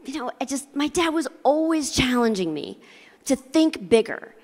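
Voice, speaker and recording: High-voiced woman keynote speaker in reverberant hall. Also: normal speed. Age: middle-aged. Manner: animated, theatrical emphasis, working the audience. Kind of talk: motivational keynote with comic storytelling. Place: large convention hall, indoors. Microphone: handheld microphone. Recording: live hall PA with long reverb.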